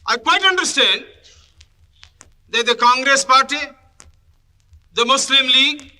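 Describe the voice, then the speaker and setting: A man delivers formal parliamentary oratory in a measured, emphatic manner, broken into short phrases. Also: very high voice, bright, forceful tone.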